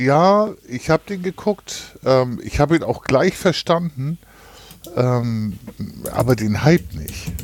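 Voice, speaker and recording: Very wide pitch swings mark speech at a very slow pace, with a dry, close sound with no echo. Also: man, fairly high pitch for a man. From northern Germany. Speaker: podcast co-host. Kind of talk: casual chat.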